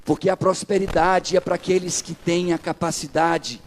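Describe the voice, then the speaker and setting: A man's voice: high voice, level tone, normal speed, slight background noise. A male pastor with a Brazilian Portuguese accent preaching a sermon, acting out the people in his stories as he goes. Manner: preaching with rising intensity, acting out quoted dialogue.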